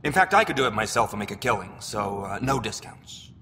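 A man's voice: fairly low pitch, very animated, fairly quick, sharp tone. A man voicing a shifty alien scavenger trader in a video game, wheedling and slick with hesitant turns. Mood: grumbling, salesy. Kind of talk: video game dialogue acting. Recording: hollow reverberant hall with background noise.

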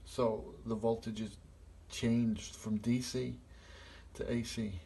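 A man's voice: medium pitch, little pitch movement, slow pace, gravelly, dark tone. A middle-aged man, a gas engineer, plainly explaining a boiler test step by step while filming on his phone in a small workshop. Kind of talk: hands-on repair demonstration. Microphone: phone camera held in hand.

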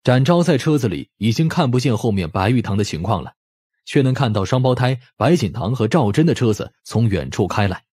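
Male audiobook narrator: slightly rough, animated delivery, dramatic storytelling, close dry sound. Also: mid-range voice, brisk, dry recording.

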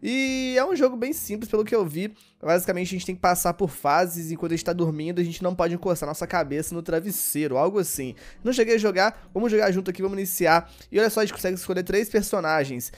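Fast-talking, excitable Brazilian gamer man. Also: high-pitched. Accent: Brazilian Portuguese. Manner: excitable, yelps and shouts at the game. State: sleepy and exhausted. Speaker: gaming YouTuber. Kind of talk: let's-play commentary.

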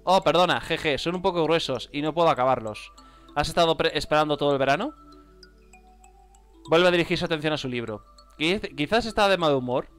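A man with a Spain Spanish accent reads game text aloud and gives excitable, bewildered gameplay commentary. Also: on the high side, a little fast, smooth, faint music behind. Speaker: gamer.

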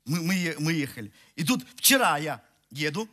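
Bright-voiced pastor telling a funny story. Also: male voice, on the high side, sing-song, moderate pace, slight background noise. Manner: chatty storytelling, self-mocking, many restarts; walks the stage, gesturing. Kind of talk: sermon with humorous personal story. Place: large church hall with audience. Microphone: headset mic.

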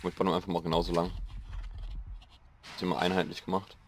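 A young man with a slightly hoarse voice, rambling casually through gameplay commentary and mocking himself as he goes. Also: sits low, level tone, quick pace, slight background noise. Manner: rambling, self-mocking, thinking aloud. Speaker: let's play host.

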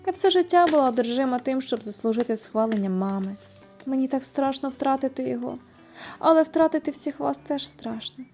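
A woman puts on a stubborn thirteen-year-old girl for a storybook, her voice pitched far above the narration and bursting out loudly. The girl sounds mellow at the core but strained, pleading one moment and defiant the next. Soft music plays behind. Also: animated, a little fast. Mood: apologetic. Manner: pleading, then defiant and shouting.

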